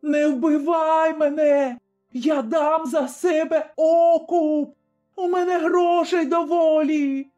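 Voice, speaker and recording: A man voicing a shrill, furious old innkeeper woman. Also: very slow, hardly any pauses, darkish tone. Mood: terrified. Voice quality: coarse. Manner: shrieking, threatening. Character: furious middle-aged female innkeeper, cruel and shrill. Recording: slightly dull recording, faint music.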